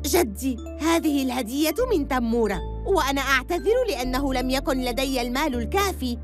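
Earnest high-pitched cartoon boy. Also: lively intonation, a little fast. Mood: earnest, kind. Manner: earnest, polite. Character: young boy date fruit, earnest and good-hearted. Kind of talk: children's cartoon dubbing in formal Arabic. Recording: music behind the voice.

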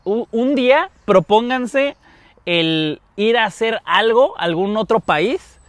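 A man's voice: high-pitched, lively intonation, takes it slowly, no room sound. A man with a Mexican accent hosting a casual podcast chat, joking and slangy with lots of swearing and filler. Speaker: podcast host.

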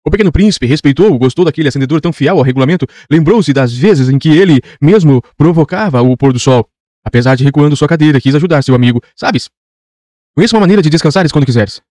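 A man's voice: on the high side, quick pace, mellow, dry recording, studio quality. A man narrating a children's novel as an audiobook, reading steadily with occasional slips.

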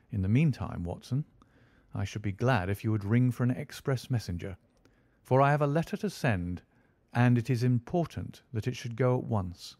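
A man reading aloud and voicing a calm, clever detective who speaks in a measured, confident way. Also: medium pitch, no echo, natural voice. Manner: measured, deliberate, composed.

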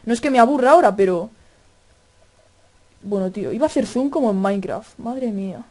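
A male gaming YouTuber with a Spain Spanish accent, doing excitable horror let's-play commentary at a desk microphone, swearing often and yelling at scares. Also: sits high, brisk. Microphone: desk microphone at a computer.

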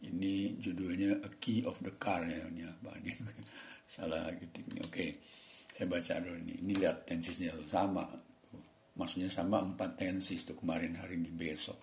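Male English teacher with an Indonesian accent, lowish mellow voice, chatty and emphatic, reads English lines slowly. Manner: mixes Indonesian explanation with slow read-aloud English dialogue lines; chatty, addresses viewers as friends, emphatic corrections. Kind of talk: online English lesson.

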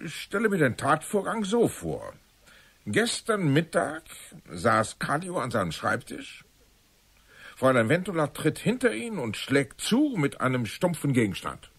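A low-voiced male police commissioner in a radio crime drama. He is theatrical and probing, with lively, swinging intonation. He lays out his reasoning deliberately, in a slightly rough voice. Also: full character voice. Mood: dramatic, building. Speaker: actor.

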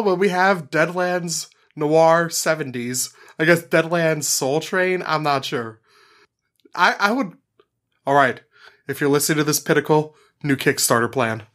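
A man's voice: a little high, fairly bright tone. Stammering, giggly man. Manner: stammering, giggly, self-interrupting. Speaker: tabletop game player. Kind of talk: casual banter at a recording session.

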